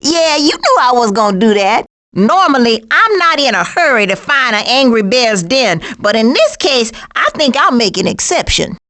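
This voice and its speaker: A woman voicing a sassy, streetwise, sarcastic female skunk with slangy wisecracks in an animated video game. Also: on the high side, normal speed, few pauses. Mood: dry, confident.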